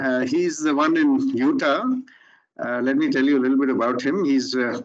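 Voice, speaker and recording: A man speaks with ordinary pitch variation, and the background is quiet. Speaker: webinar host introducing the speaker. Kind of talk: formal introduction of a guest speaker. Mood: friendly, lightly humorous. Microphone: video call.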